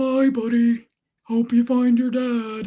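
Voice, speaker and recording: The put-on character voice sits at a fairly high pitch, moving at a fairly slow pace with monotone, flat intonation. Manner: gentle, warm, friendly.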